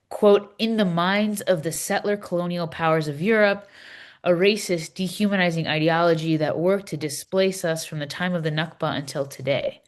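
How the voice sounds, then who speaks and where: An earnest Palestinian Christian woman, read by a woman in a readers theater piece, explains her cause with deliberate, emphatic phrasing. Her voice sits a little low and carries steady conviction. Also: natural voice. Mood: grave, frustrated. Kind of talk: scripted dialogue read as measured conversation.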